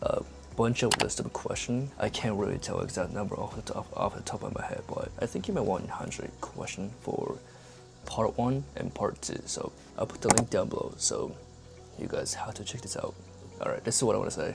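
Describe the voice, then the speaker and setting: With music in the background, the speech moves along at a fairly quick pace. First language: Japanese. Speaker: English-learning YouTuber. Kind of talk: casual vlog talk to camera. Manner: casual with fillers and restarts.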